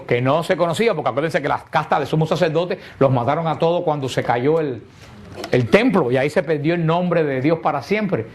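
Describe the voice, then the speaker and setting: Higher-voiced man explaining catechesis. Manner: explanatory, asks rhetorical questions and answers them. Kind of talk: catechesis lesson to a group.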